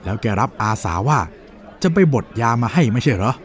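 A man's voice: medium pitch, expressive, fairly quick, some chatter behind, close to an everyday voice. A man playing an insistent defence lawyer in a dramatised courtroom story, questioning in a pressing, pointed way. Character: insistent male defence lawyer cross-examining a witness.

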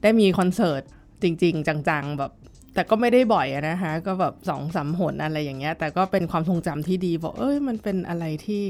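Middle-aged woman guest, lowish voice, thoughtful and halting, faint music under her. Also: lively intonation, a little mellow. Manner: thoughtful, halting, with many fillers and restarts. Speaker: violin teacher and guest. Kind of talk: casual interview chat.

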